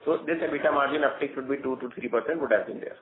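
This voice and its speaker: Indian exec guy on a tinny conference call, answering questions kinda haltingly, loose phrasing. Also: medium pitch, slight background noise. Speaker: company executive. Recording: thin, narrow phone-line sound.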